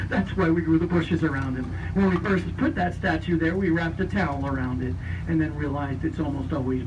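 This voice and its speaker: A man, a tour guide telling history with corny jokes to riders on an outdoor tour train. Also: on the high side. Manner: jokey, punny, playful storyteller. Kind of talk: tour narration over a speaker system. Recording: distant, noisy outdoor train recording.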